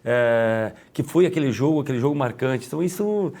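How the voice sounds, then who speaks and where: A middle-aged man with a Gaúcho Brazilian accent, a former footballer talking as an interview guest, rambling and halting with many restarts. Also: mid-range voice, animated, darkish tone. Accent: Gaúcho Brazilian Portuguese. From Rio Grande do Sul, Brazil. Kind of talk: casual interview.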